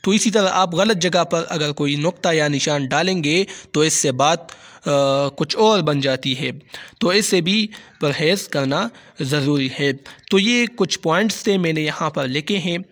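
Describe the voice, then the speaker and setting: A man with a Pakistani Urdu accent explaining points in a measured lecture, often pausing on hesitant fillers. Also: on the high side, fairly bright tone. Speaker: teacher.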